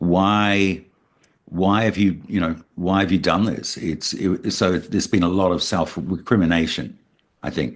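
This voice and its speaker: A man's very deep, low voice in a very clean recording with a silent background. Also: fairly slow pace. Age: 60s. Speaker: abuse survivor and writer. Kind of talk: podcast interview. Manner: halting.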